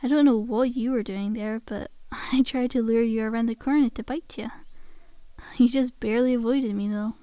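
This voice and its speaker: A woman's voice: a little high, steady tone, normal speed, mellow, dry recording, clean studio sound, lightly acted. A woman playing a friendly, sly zombie girl in an ASMR roleplay, coaxing a survivor in a chummy, casual, faux-innocent way. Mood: sly, amused.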